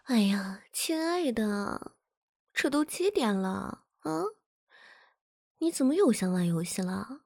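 A woman's voice: a little high, big pitch swings, slow pace, gravelly, long pauses, a little mellow, dry recording, exaggerated voice. A woman voicing a playful, bratty young girlfriend who teases and pouts in a coy, whiny way. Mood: teasing scold. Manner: coy and teasing, whiny pouting. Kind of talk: audio role-play drama.

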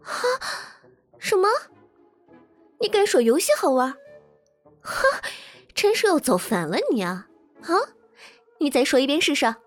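A woman's voice: fairly high pitch, expressive, slow, long pauses, a little mellow, faint music behind, heavily acted. A woman voicing a playful, bratty young girlfriend who teases and pouts in a coy, whiny way. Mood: teasing scold. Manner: coy and teasing, whiny pouting. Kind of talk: audio role-play drama.

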